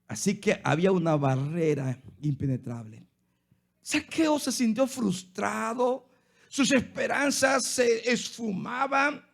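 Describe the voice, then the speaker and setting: A man with a Honduran Spanish accent, a pastor preaching a sermon slowly and acting out the Bible quotes he tells. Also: very high voice, gravelly.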